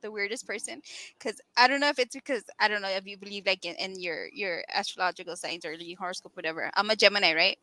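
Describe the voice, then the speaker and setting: A woman's voice: medium pitch, quick pace, sharp tone, no room sound, low-quality recording. An older woman chatting as a guest on a live stream, laughing often and acting out what people said. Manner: chatty, laughs often, acts out quoted voices. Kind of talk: casual chat on a live stream.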